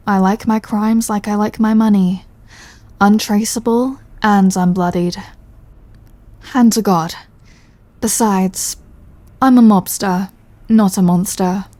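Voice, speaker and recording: Mellow, wry British mafia boss woman, acted out by a woman. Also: medium pitch, dry recording, close to an everyday voice. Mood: apologetic, flirty. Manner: dry, sardonic, sighing, exasperated. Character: apologetic, wry female mafia boss, protective and flirty. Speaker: audio roleplay performer. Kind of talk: ASMR audio roleplay, close scripted acting.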